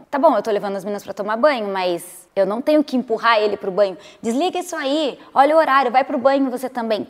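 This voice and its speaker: A woman's voice: mid-range voice, darkish tone, big-room sound. A Brazilian woman in her thirties talking casually to her viewers, often acting out things she used to say. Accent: Brazilian Portuguese. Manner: chatty, acts out her own past remarks. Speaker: vlogger. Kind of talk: casual reflective monologue.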